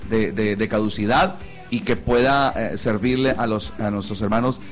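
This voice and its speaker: A man's voice: fairly low pitch, moderate pace, faint music behind. A Colombian man hosting a live Christian radio talk show, conversational, often repeating himself as he searches for words.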